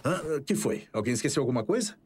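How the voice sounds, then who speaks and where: An actor playing an easygoing, teasing Brazilian jazz saxophonist in an audio drama. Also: male voice, mid-range voice, sing-song, fast, darkish tone, slightly rough. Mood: relaxed.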